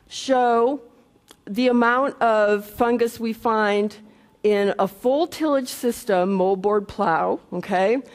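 A woman from the United States, an entomologist, speaks conversationally at a conference in a reverberant hall, with frequent restarts, asides, and "okay"s. Her voice is fairly high in pitch and a bit mellow.

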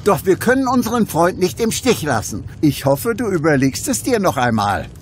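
An actor playing a plucky, confident little Gaulish warrior with a cheeky, assertive manner in a comic radio play. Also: male voice, on the high side, very animated, normal speed, slight background noise. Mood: firm, assertive.

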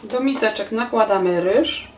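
A woman's voice: mid-range voice, moderate pace, a little hiss or hum. Woman cooking host in a roomy kitchen. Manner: calm step-by-step explaining, addresses viewers politely. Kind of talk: recipe instructions. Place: home kitchen, indoors. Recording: roomy kitchen echo, voice a bit distant.

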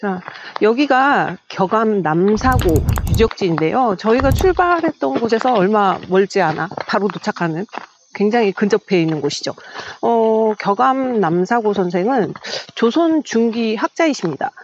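A woman's voice: mid-range voice, animated, normal speed, muffled recording, slight background noise. A woman vlogger casually explaining a historic site on a cycling trip, chatty, with frequent laughs and fillers. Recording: loud background music.

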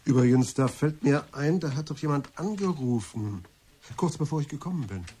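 Mellow, husky police assistant. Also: male voice, on the high side, lively intonation, moderate pace. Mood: obliging. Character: obliging male police assistant. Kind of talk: German radio play acting.

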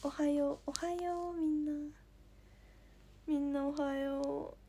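Indoors at home, a young woman training to be an idol livestreams from her phone after a sleepless night, reading comments, thanking viewers in a chirpy way and now and then whispering. She speaks slowly in a high, mellow voice with fairly even intonation over slight background noise.

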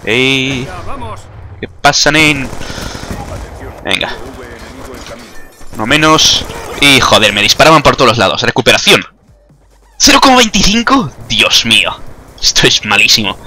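A young man from Spain, speaking with a Spanish accent, jokes and chats his way through a game while poking fun at his own skills. His voice is medium-pitched, bright and forceful, and he takes his time with long pauses.

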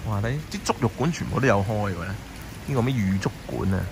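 A man's voice: fairly low pitch, fast, vocal fry. A man with a Hong Kong Cantonese accent, live-streaming a walking tour on rainy night streets and chatting casually with viewers as he walks. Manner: chatty, talks to viewers and passers-by. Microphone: handheld phone camera. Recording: steady rain and passing traffic behind.

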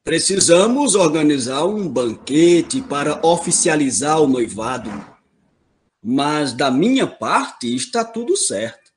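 Man playing a slow, stately king. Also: on the high side, sing-song, a little hiss or hum. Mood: pleased, solemn. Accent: Brazilian. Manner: stately, grandiose. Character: pompous aging king, eager father of the bride. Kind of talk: comedic audio drama acting. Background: music.

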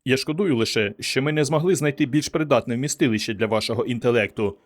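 A man voicing an earnest, excitable young doctor who speaks with fervent conviction. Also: medium pitch, fast, close to an everyday voice. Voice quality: fervent, emphatic.

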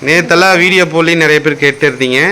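A man's voice: on the high side, very fast, pushed and bright, poor audio. A man filming a family vlog, chatting with affectionate teasing. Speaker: family vlogger. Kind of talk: casual family vlog chat. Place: family home gathering. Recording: busy crowd of relatives behind.

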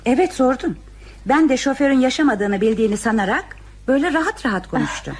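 A woman's voice: high-pitched, sing-song, fast talker, husky, exaggerated voice. Motherly nurse, old radio drama. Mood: explaining. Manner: firm and affectionate, fond of teasing. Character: teasing, motherly hospital nurse, adult woman.

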